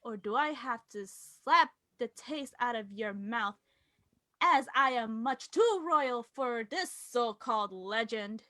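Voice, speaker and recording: A woman playing an arrogant, combative royal prince wrestler in a staged promo reading, pompous and measured. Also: fairly high pitch, expressive, pushed and bright, dry recording, full character voice. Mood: haughty disdain. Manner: pompous, measured trash talk.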